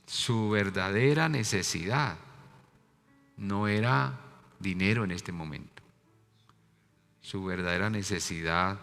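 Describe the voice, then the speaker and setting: A pastor preaches with emphasis, repeating key words and swinging between loud stresses and quiet asides. His mid-pitched voice carries a long reverb from the church hall. Faint music plays underneath. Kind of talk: sermon. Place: church sanctuary.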